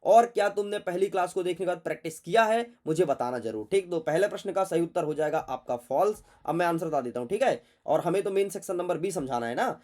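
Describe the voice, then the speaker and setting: A young man with a fairly high voice teaches an exam prep lesson, speaking straight to his students in a chatty, playful way. While he hunts through a passage he drops into muttering to himself. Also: lively intonation, quick pace, hardly any pauses, darkish tone.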